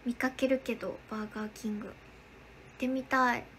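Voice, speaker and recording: A woman's voice: a little high, fairly even intonation, a little fast, fairly bright tone, a little hiss or hum. A young woman hosting a casual livestream, greeting viewers by name and answering their chat comments. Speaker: livestream host.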